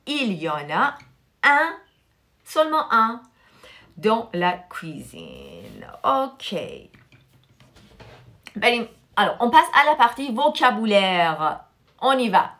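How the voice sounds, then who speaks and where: A woman French teacher whose first language is Persian, giving a live online class and switching between French and Persian. She repeats each vocabulary word slowly and stresses its pronunciation. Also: fairly high pitch, huge pitch swings, a bit bright.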